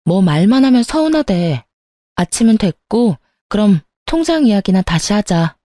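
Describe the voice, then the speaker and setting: A sulky, money-minded young husband from an audio story, as a woman reader puts him on, pitched a little lower than her own voice. The tone is mellow and dark, close and dry, accusing and quick to flare into shouting. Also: sing-song, dry recording, natural voice. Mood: wheedling, sulky. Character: petty, calculating young husband, quick to anger.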